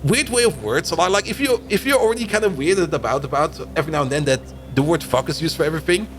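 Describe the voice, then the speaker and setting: A man's voice: on the high side, expressive, quick pace, a bit bright, soft background music. A man from Germany whose first language is Dutch, chatting casually on a live gaming stream and laughing often between remarks. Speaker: game streamer.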